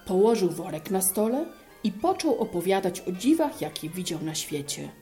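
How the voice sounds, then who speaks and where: A woman calmly narrating a fairy tale aloud. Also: medium pitch, normal speed, faint music behind.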